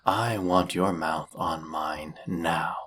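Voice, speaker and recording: A man playing a suave, seductive demon in a flirty audio roleplay, husky and gravelly, with a teasing, theatrical, often murmured delivery. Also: low-pitched, steady tone, takes it slowly, fairly bright tone, a little hiss or hum. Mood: possessive, flirty. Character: suave seductive male demon, smug and dangerous.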